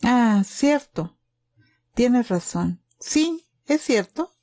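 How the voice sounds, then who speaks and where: A woman's voice: fairly high pitch, animated, extremely slow, warm tone, voice pushed up, heavily acted. Lady doing a naive little boy in a war story, confused, asks stuff hesitantly. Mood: hesitant, earnest. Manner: questioning, hesitant. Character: naive, puzzled young German boy in wartime.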